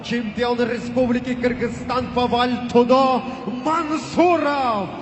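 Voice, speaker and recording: A man working as a ring announcer at a fight, formally projecting drawn-out introductions over a PA in a large venue. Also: extremely high pitch. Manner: formal, projecting, stretches out names and phrases. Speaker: boxing-style ring announcer. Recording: echoey hall reverb, loud background noise.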